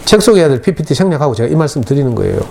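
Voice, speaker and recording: Middle-aged man, Gyeongsang accent, parent-ed lecturer; talks fast with a dark, mellow voice and faint background noise. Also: fairly high pitch, big pitch swings, creaky. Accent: Gyeongsang Korean. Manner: emotional storytelling, dialect speech. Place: school lecture hall.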